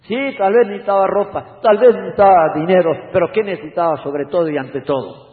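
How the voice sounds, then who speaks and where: A man delivers an evangelistic sermon with a fairly high voice. He swings between loud, urgent warnings and quiet, pleading lines. The recording is tinny and phone-like, with a long reverb trailing through a large hall. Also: fairly quick. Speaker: preacher. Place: church hall.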